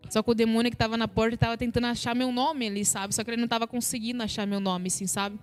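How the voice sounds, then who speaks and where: High-voiced woman giving an emotional testimony. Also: little pitch movement, racing, faint music behind. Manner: emotional retelling, repeats "sabe, meus irmãos". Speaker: guest giving a religious testimony. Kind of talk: live-stream spiritual testimony.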